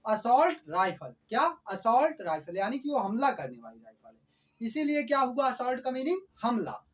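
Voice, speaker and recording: A man teaching English vocabulary who keeps asking quick questions and repeating each word before answering it. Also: very high voice, very animated. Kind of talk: explanatory vocabulary lesson.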